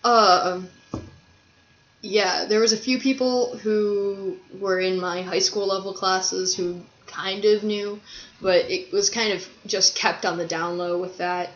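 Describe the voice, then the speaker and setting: Slow-talking young trans man, rambling. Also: high voice, steady tone, a bit bright. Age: young adult. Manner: rambling, laughs easily. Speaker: vlogger. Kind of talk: casual chat. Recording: roomy, slightly dull sound.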